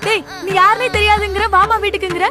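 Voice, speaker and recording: A woman playing a feisty, high-voiced young woman. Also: fairly even intonation, fast. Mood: angry. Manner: sharp, scolding retorts. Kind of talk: short film acting. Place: outdoors on a street. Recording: loud film music underneath.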